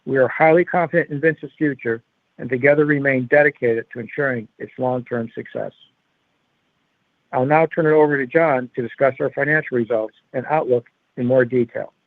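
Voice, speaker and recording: A man's voice: mid-range voice, steady tone, normal speed, no room sound. A male company executive reading prepared earnings call remarks in a formal, scripted corporate manner. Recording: narrow-band phone conference line.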